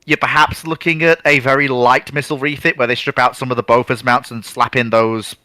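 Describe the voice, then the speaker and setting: A man's voice: medium pitch, fairly even intonation, a little fast, bright, forceful tone, no echo. A man in an informal expert discussion, explaining in colloquial terms and piling up point after point. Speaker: naval history discussion panellist.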